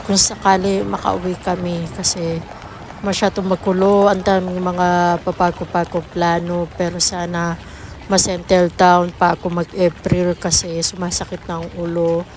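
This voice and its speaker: A woman's voice: on the low side, monotone, normal speed, darkish tone, a little hiss or hum. A woman with a Filipino accent narrating a casual family vlog. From Philippines. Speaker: family vlogger.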